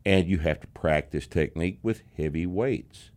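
Very low-voiced texan guy on a podcast, gruff, cusses a lot, sarcastic. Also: moderate pace, darkish tone. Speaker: podcast host, strength coach. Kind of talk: casual podcast chat.

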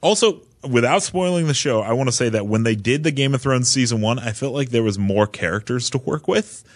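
A man's voice: mid-range voice, fairly quick. A man co-hosting a gaming podcast in casual, joking banter. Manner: joking, uses mock quoted voices. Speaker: podcast co-host.

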